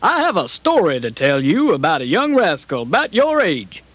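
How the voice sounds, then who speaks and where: A man's voice: a little high, huge pitch swings, moderate pace. A man voicing a folksy cowboy puppet who speaks and sings in rhyme to children with a country drawl. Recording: echoey room with loud country music.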